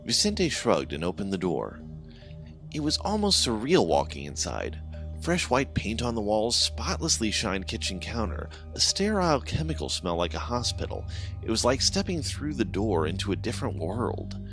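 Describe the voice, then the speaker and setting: A man's voice: on the low side, sing-song, normal speed, fairly bright tone, faint music behind. A man narrating a horror story in the first person, with dramatic scripted delivery.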